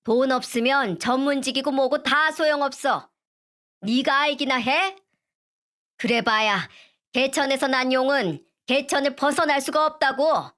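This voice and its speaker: A bullying older father-in-law in a storybook reading, loud and scornful, barking insults, as a woman narrator puts him on. The voice sits fairly high and pushes forward with raised volume. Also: measured pace. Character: rude older father-in-law, hot-tempered man.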